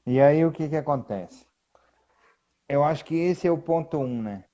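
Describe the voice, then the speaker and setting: Man, mellow voice, lo-fi sound. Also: a little high. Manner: animated, reads scripture aloud slowly with emphasis. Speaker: co-host. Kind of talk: casual Bible discussion. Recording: dull lo-fi sound.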